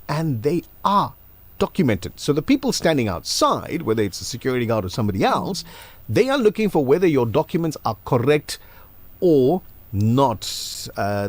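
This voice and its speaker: A man hosts a live community radio breakfast show. He talks in a relaxed, chatty way, and his pitch moves around a lot as he reads out listener messages. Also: dry recording.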